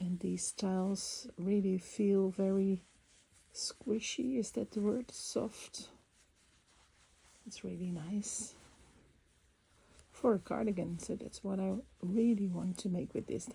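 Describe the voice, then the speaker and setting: A woman speaks at a very slow pace with long, frequent pauses, her medium-pitched voice somewhat breathy, dark and mellow, relaxed in tone, with ordinary pitch variation. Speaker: crochet instructor. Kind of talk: tutorial. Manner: relaxed, counting stitches aloud.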